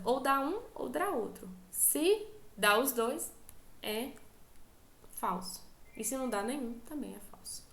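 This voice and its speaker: A woman's voice: on the high side, gravelly, echoey room. A woman teacher with a Brazilian Portuguese accent, giving an online class lecture and patiently explaining step by step while checking in with her students.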